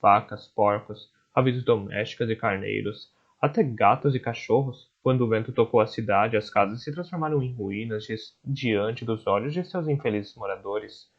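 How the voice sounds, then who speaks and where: A man narrating an audiobook chapter in a steady storytelling manner. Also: lowish voice, normal speed, few pauses, slightly rough, muffled recording.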